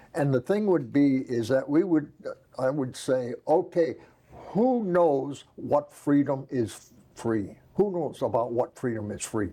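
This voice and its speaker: The speaker talks at a fairly slow pace with a Hawaiian accent. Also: man, fairly high pitch for a man. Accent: Hawaiian local English. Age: 90s. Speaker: war veteran. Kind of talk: interview. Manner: halting.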